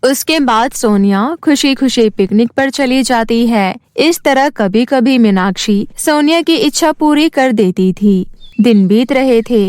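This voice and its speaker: High-voiced woman narrating children's stories. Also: measured pace, darkish tone, clean tone, no room sound, studio quality. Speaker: storyteller. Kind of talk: scripted children's story narration.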